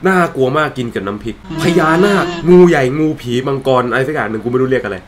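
Young man, comic storyteller, very fast, crude joking, rambling restarts, medium pitch. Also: lively intonation, music in the background. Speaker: comedic storyteller, channel host. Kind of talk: comedic storytelling monologue.

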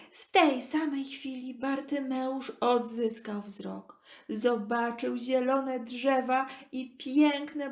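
A woman narrating a Bible story for children, expressive, with deliberate phrasing and pauses. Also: a little high. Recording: echoey room.

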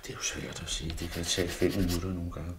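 With slight noise in the background, a male artist thinks aloud in a low, level voice during a pastel drawing demonstration. His talk meanders, and he keeps murmuring to himself, often dropping nearly to a mutter.

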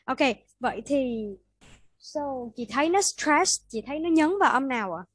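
A woman's voice: sits high, animated, moderate pace, dry recording, low-quality recording. A woman with a Vietnamese accent tutoring English pronunciation online, patiently modeling words and repeating them for her student.

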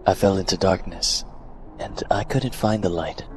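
A man's voice: low-pitched, moderate pace, close to an everyday voice. A man voicing a brooding, withdrawn young swordsman with terse, guarded delivery in a game fan dub. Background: music.

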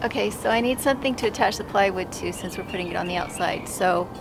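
Thirtyish woman vlogging outside, practical how-to talk, mid pitch, music behind her. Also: fast, gravelly. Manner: practical, explains as she works outdoors. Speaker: homesteading vlogger. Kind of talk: casual how-to vlog. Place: small backyard outdoors. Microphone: camera at arm's length.

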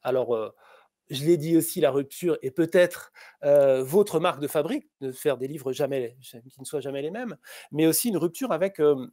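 A middle-aged man interviews a writer over a webcam, his voice sitting a little high for a man. He hesitates constantly, filling gaps with drawn-out filler sounds. The sound is dry and close, with no room around it. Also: animated, mellow, dry recording. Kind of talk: literary interview on a video call. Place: room with posters behind. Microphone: webcam on a video call.

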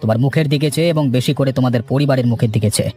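Man acting a stern village gentleman, quick-talking. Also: medium pitch, soft background music, close to an everyday voice. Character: stern, righteous village gentleman judging disputes. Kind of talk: Bengali moral cartoon dubbing.

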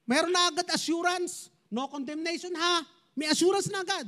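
Male pastor, strikingly high voice, preaches straight at the congregation, flips between languages. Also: fairly quick, pushed and bright. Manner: switches between Tagalog and English, addresses congregation directly. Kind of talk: sermon.

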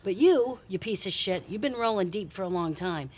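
An actress playing a brash, foul-mouthed tough cop with a blunt, intimidating manner in a comedy film. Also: female voice, lowish voice, fairly quick, natural voice. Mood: intimidating, sarcastic. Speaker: police detective.

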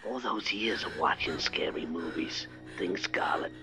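An actor playing a menacing masked male killer on the phone, taunting in a gravelly, whispery voice. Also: sits low, unhurried, music in the background. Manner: taunting, sinister. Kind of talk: audio play acting.

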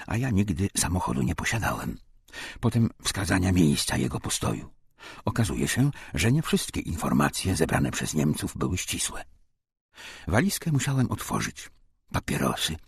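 A man narrates a war memoir with grave drama, his voice very low and heavily husky. The reading is scripted and expressive, with lively rises and falls in pitch. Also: no room sound. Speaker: audiobook narrator. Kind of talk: scripted first-person war memoir narration, acting out quotes.

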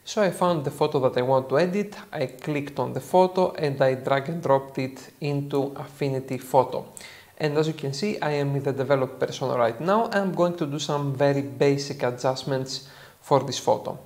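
Young Greek-accented male tutor, earnest and methodical, talks through each step with short pauses. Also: medium pitch, a little mellow. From Greece. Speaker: photo editing tutor. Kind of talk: software tutorial narration. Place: dark studio indoors.

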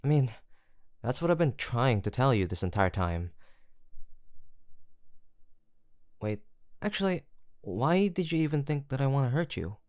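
A man voicing a gentle, protective man who talks softly and teasingly to a frightened stray he has rescued, in a close audio roleplay. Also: mid-range voice, big pitch swings, moderate pace, no echo, natural voice. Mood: tender. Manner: soft teasing, coaxing and reassuring.

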